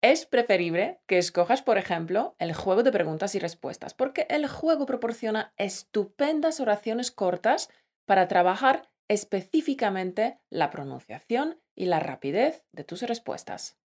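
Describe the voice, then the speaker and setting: A woman's voice: mid-range voice, animated, normal speed, a little mellow. Woman, podcast co-host, playful, affectionate, scripted lesson. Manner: playful, affectionate, addresses listener as "tesoro". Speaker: podcast co-host, Spanish teacher.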